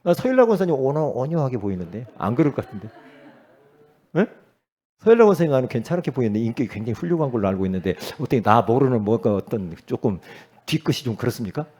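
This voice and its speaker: A middle-aged male pastor preaching, emphatic, swinging from loud exclamations to low asides and quizzing his congregation. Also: very animated, quick pace. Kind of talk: sermon.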